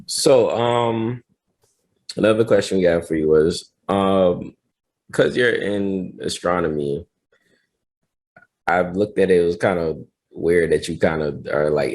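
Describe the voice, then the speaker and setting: A man with a very deep voice co-hosts the chat and asks the guest questions. He talks in a laid-back, slangy way and keeps encouraging her. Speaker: podcast co-host. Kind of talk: casual interview chat.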